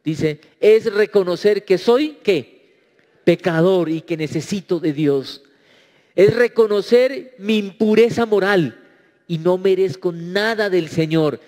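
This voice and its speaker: A man's voice: sits high, slow, a little mellow. A man preaching a sermon as pastor, emphatic and acting out quoted prayers. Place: church. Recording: reverberant church hall.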